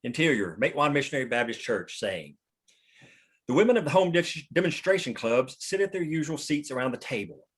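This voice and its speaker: Man, mid-pitched voice, scripted narration, screenplay directions at a table read. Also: sing-song, fairly quick, a bit bright, breathy edge. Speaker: stage-direction reader.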